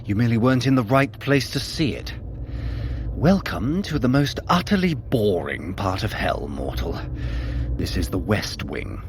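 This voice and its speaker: Sly, swooping trickster god. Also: male voice, fairly low pitch, sing-song, a little slow, noisy background. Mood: dry amusement. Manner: arch, theatrical, wry formal phrasing. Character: sly, playful male trickster god, smug and teasing. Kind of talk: scripted audio drama acting.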